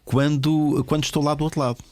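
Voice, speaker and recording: A man's voice: on the high side, little pitch movement, fast, darkish tone, no room sound. A man from Lisbon with a local Portuguese accent, hosting a casual interview and chatting in a teasing, rambling way full of "pá". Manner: teasing, rambling, uses filler "pá". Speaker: podcast host.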